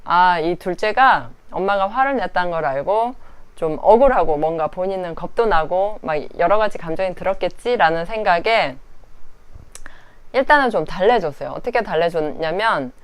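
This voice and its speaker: Lively woman giving parenting advice. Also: on the low side, moderate pace, smooth. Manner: lively, acts out child and mother voices. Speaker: parenting counselor.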